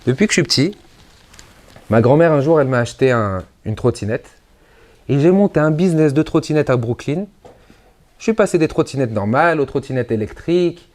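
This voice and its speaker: A man's voice: medium pitch, animated, fairly quick, a little mellow, close to an everyday voice. A man voicing a cheerful nineteen-year-old male entrepreneur from Brooklyn in a story, easygoing and content.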